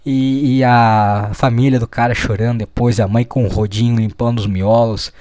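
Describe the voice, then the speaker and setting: A man's voice: mid-range voice, steady tone, moderate pace, darkish tone, no room sound. A young man, giving a rambling, profane and sardonic casual monologue.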